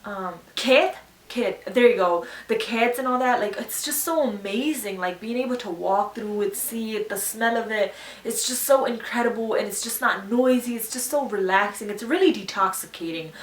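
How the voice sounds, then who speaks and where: A woman's voice: fairly high pitch, normal speed. Young woman, from Pakistan, casual viewer Q&A, reflective, earnest, slightly distant mic, echoey room. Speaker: YouTuber answering viewer questions. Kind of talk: casual Q&A chat.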